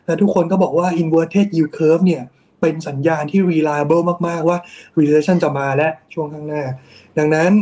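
This investment strategist, a man with a fairly high, darkish voice, explains the bond markets. He mixes in English finance terms and often ends his sentences with polite particles.

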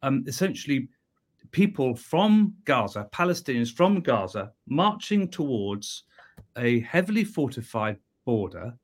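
A man from England hosting a live interview, asking questions in an animated, emphatic way and often repeating words. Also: mid-range voice, measured pace. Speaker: host.

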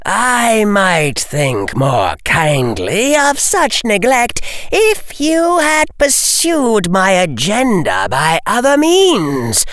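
A man voicing a cold, menacing male dark lord who speaks slowly and drops to chilling whispers. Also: high-pitched, very animated, no room sound, studio quality, voice pushed up, heavily acted. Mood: cold menace. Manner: slow, icy, drops to hissing whispers. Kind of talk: audiobook character voice.

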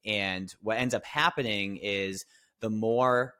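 A man's voice: lowish voice, fairly even intonation, slow pace, sharp tone, clear, resonant tone. A man answering as a podcast guest, modest and reflective, thinking aloud as he speaks. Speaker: podcast guest, business coach. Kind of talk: casual interview answers.

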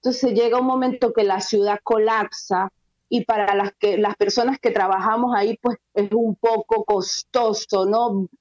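A woman's voice: medium pitch, steady tone, moderate pace, darkish tone, dry recording, highs cut off. A Venezuelan woman, a guest in a casual radio interview, talking with many fillers and restarts.

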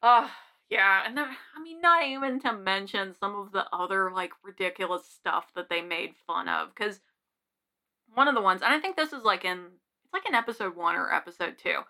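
A woman's voice: medium pitch, normal speed, gravelly, bright, forceful tone. A young woman co-hosting a podcast in casual, rambling chat with giggly asides. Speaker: podcast co-host.

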